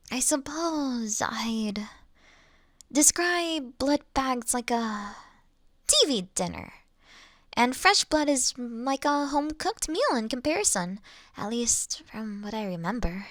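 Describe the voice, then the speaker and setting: A kindly, undead vampire lady acted out by a woman speaks in a high voice at a slow pace. She is soothing and courteous with a teasing streak, as in an intimate roleplay audio, recorded close and dry. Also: fairly bright tone, no echo, exaggerated voice. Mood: chatty, warm. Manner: soothing, polite, teasing, unhurried. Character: kind, playful female vampire, gently reassuring, long undead.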